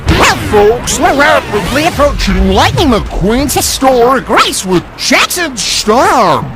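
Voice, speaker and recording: Vain car TV presenter for a racing game, pompous, exasperated, swooping wildly, pitch-shifted over loud music. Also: male voice, big pitch swings, slow pace, heavily acted. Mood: smug, showy. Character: vain, easily flustered male race car show host. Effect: pitch-shifting voice changer. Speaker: sports show host. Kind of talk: animated game cutscene acting, TV presenting.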